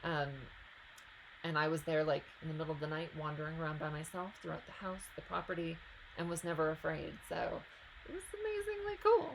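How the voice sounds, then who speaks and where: A woman's voice: deep voice, little pitch movement, fairly quick, vocal fry, background noise. A woman hosting a live stream, reading out viewer questions and answering them in a chatty, casual way.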